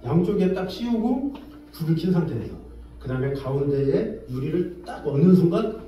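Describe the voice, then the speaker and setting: A man preaching in a church and telling his story with vivid, excitable exclamations. His voice is mellow and a little high, and it is caught from a distance with heavy reverberation bouncing around the room. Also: normal speed. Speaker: pastor. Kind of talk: sermon. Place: church sanctuary. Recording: very echoey, distant from the mic.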